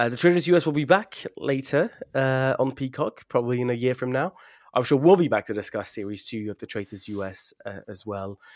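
Fairly quick, lively speech in a French accent, with big swings in loudness and a dry, close sound free of echo. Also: man, medium pitch for a man. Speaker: podcast host. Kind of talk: casual chat.

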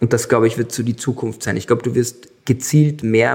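Vocal fry runs through the voice. The intonation is fairly even. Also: man. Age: 30s. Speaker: agency founder and CEO. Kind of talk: interview. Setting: video call.

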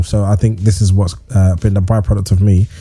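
Very fast speech comes from a man with a British accent and a fairly low pitch. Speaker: podcast host. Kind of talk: casual chat. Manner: halting.

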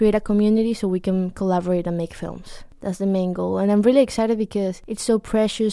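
In a very clean recording with a silent background, a woman with a Colombian accent speaks in a monotone, flat intonation. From Colombia, Caribbean coast (Barranquilla). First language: Spanish. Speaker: student filmmaker, film club president. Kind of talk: casual interview. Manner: laughs often.

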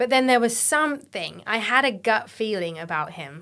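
In a very clean recording with a silent background, a woman speaks with an English accent. Her fairly high voice moves at a moderate pace with very wide pitch swings. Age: 30s. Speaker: writer and filmmaker on consent education. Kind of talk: podcast interview.

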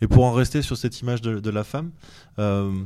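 A man speaks at a moderate pace. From French provinces. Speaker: podcast host. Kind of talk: casual interview. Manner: halting.

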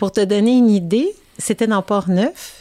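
Speaking with a Quebec accent, a woman has a dark, mellow tone and a fairly slow pace. The recording is very clean and the background silent. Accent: Québécois French. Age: 50s. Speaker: opera singer. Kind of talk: casual chat.

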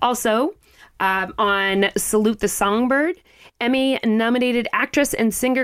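On a very clean recording with a silent background, a woman with a normal speaking voice speaks at a fairly slow pace with ordinary pitch variation. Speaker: podcast host. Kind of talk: casual interview.

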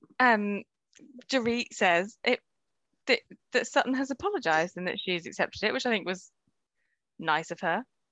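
Speaking at a moderate pace with a British accent, a woman uses a fairly high pitch and lively intonation, leaving long, frequent pauses. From Britain. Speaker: podcast co-host. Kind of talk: casual chat.

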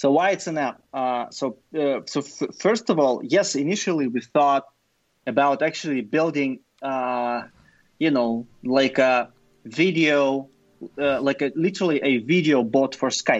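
With a Russian accent, a man speaks fairly slowly at a fairly high pitch. His pitch variation is ordinary. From Siberia, Russia. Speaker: startup founder. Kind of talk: interview. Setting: video call. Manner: halting.

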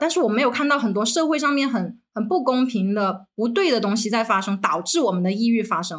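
A woman's unremarkable speaking voice, fairly high in pitch, with lively intonation at a moderate pace. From southern China, Hakka background. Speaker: gender studies PhD student and activist. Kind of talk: interview conversation.

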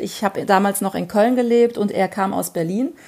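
At a moderate pace and with ordinary pitch variation, a plain, everyday voice comes through on a very clean recording with a silent background. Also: woman. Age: 40s. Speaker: podcaster. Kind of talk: casual chat.

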